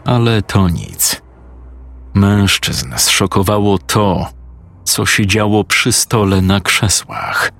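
A man narrating a scripted horror story in a measured, suspenseful way. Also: on the low side, vocal fry, fairly bright tone, no room sound.

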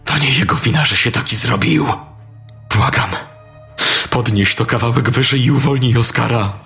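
A man's voice: mid-range voice, moderate pace, creaky, fairly bright tone. An actor playing a desperate father begging for his son's life, frantic and pleading, in a dramatized audio story. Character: desperate pleading father, middle-aged man. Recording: faint music behind.

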